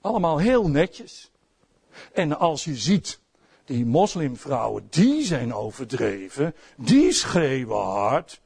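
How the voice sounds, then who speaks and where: High-voiced, animated Dutch preacher man. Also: slow pace, creaky, breathy edge. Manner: animated preaching, swings between soft asides and loud outbursts. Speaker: pastor. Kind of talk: sermon.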